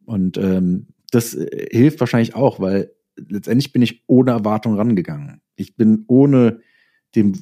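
A man's voice: on the low side, a little slow, dark tone. A man speaking as a guest in a casual interview, thinking aloud with repeated words and self-corrections.

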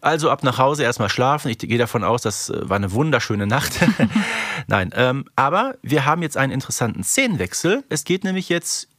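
A man's voice: mid-range voice, sing-song, a little fast, fairly bright tone, dry recording, clean studio sound. A man co-hosting a podcast, giving casual, conversational commentary. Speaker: podcast co-host.

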